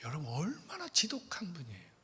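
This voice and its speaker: A middle-aged male pastor telling a story in a sermon, dropping to hushed whispers and then bursting out loud, repeatedly speaking straight to the congregation. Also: a little high, huge pitch swings, brisk, slightly rough. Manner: dramatic, swings between hushed whispers and sudden loud bursts; addresses congregation directly, repeats phrases. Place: church sanctuary. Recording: long church reverb.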